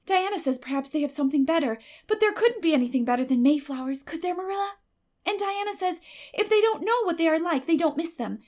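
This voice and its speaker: A woman's voice: very high voice, expressive, quick pace, a little mellow, voice pushed up. A woman voicing a dreamy, dramatic young schoolgirl in an audiobook, effusive and earnest. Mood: rapturous.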